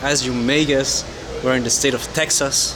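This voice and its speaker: A man speaks at a moderate pace with fairly even intonation, with audible room echo and noticeable background noise. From Switzerland. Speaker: travel vlogger. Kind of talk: travel vlog narration. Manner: casual, filler-heavy.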